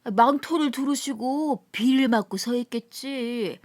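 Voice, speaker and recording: A woman voicing a drunk middle-aged male rickshaw puller who shouts and brags in a rowdy, slurred way. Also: sits high, measured pace. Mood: tipsy storytelling.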